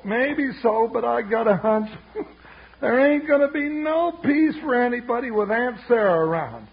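An actor playing a good-natured, excitable, folksy cowboy sidekick with a rustic American Western accent in a 1950s radio western. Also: male voice, very high-pitched, moderate pace, gravelly, heavily acted. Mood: amused, admiring. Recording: dull vintage radio recording.

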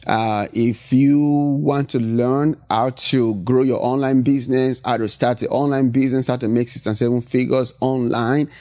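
With a medium-pitched, dark voice and fairly even intonation, a middle-aged podcast host from Nigeria speaks at a moderate pace, barely pausing. He has a Nigerian accent and drives home his motivational business message emphatically, repeating himself and often asking "right?".

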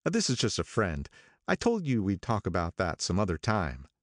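A man's voice: low voice, wildly swooping pitch, normal speed, no echo, clean studio sound, full character voice. A man voicing a charming, reassuring young man with a polite, eager-to-please manner. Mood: smooth.

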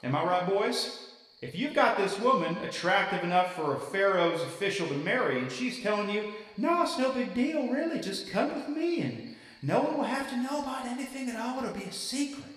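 High-voiced preacher in echoing hall. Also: male voice, very animated, moderate pace, fairly bright tone. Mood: earnest persuading. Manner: rhetorical, chatty asides, quoting in mock voices. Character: zealous youth camp preacher man, folksy and insistent. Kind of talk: sermon to young people in an audio drama. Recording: echoey hall with long reverb, distant mic.

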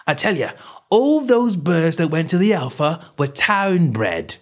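A man's voice: on the high side, very animated, a little slow, voice pushed up. A man voicing a cocky, stubborn, snappish poultry salesman in a story reading, with combative colloquial talk.

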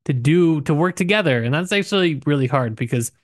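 A man's voice: a little high, lively intonation, a little fast, no room sound, clean studio sound. A man co-hosting a podcast, casually discussing a book in a joking, loosely worded way. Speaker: podcast co-host.

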